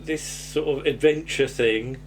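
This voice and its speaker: A man's voice: on the high side, measured pace, a little hiss or hum. A man chatting casually as he reviews an episode, hesitant and rambling, often ending on tag questions. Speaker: podcast host.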